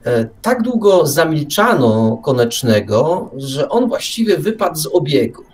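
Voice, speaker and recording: A man's voice: a little high, sing-song, measured pace, darkish tone, recorded from a distance, soft background music. Discursive male radio host, slightly off-mic. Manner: discursive, repeats and rephrases himself, rhetorical questions. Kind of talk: casual live talk, reflective monologue.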